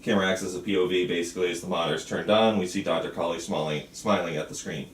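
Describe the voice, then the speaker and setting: A man's voice: low-pitched, steady tone, fast. A man leading a script table read as filmmaker, talking casually and reading out stage directions. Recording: roomy, distant, faint background noise.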